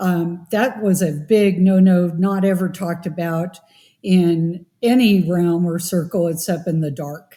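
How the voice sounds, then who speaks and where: Somewhat breathy and dark, mellow in tone, a woman speaks at a fairly slow pace with fairly low pitch and fairly even intonation. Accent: American. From US Pacific Northwest (Seattle). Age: 60s. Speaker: former activist sharing testimony. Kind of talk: testimony.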